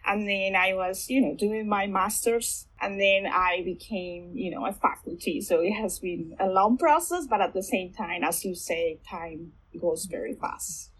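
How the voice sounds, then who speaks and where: A woman in her forties from Colombia, speaking English with a Colombian Spanish accent, enthusiastic and warm, often restarting her sentences as an interview guest. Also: medium pitch, a little slow, few pauses, poor audio. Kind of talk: conversational interview.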